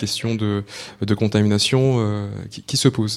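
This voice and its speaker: A man with an ordinary speaking voice talks at a fairly quick pace with fairly even intonation. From Martinique. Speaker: author and researcher. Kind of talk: public talk with Q&A. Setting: bookshop event with live audience.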